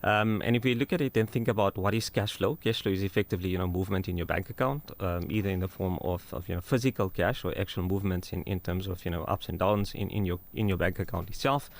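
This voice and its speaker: A man's voice: low-pitched, fast talker, hardly any pauses. A middle-aged man with a Johannesburg South African accent, a tax expert answering questions on a radio show in an explanatory way. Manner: explanatory, with many "you know"s. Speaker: tax partner guest.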